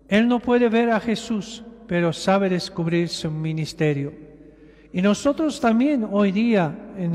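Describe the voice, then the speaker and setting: A man giving a sermon as a bishop, preaching slowly and with emphasis, often repeating words for weight. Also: high voice, darkish tone. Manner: slow, emphatic preaching with repetitions. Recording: long church reverb.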